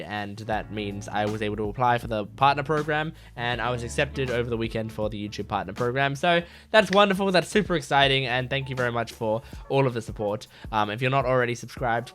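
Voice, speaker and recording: Raspy, under-the-weather guy hosting a reaction channel, chatty and full of fillers, faint music underneath. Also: mid-range voice. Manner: rambling, many fillers, excited exclamations while watching. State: sick with a lost, gravelly voice, coughing. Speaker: anime reaction YouTuber. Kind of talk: casual chat to camera, reacting to an episode.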